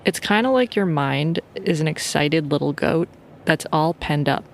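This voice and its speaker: A woman's voice: low-pitched, animated, unhurried, vocal fry, slight background noise. A woman leading a guided sleep meditation in an informal, playful and soothing way.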